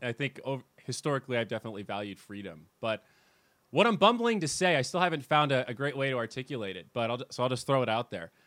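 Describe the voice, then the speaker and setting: A man hosting a podcast in casual chat, telling animated stories with swearing and restarts. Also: mid-range voice, quick pace, no echo. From United States. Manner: animated storyteller who swears and restarts sentences. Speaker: podcast host and esports commentator.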